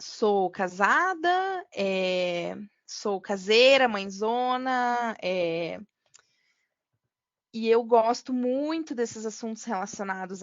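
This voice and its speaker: Her voice sits fairly high. The woman's pitch varies in an ordinary way. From Brazil, Curitiba. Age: 30s. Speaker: podcast guest sharing birth story. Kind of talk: testimony.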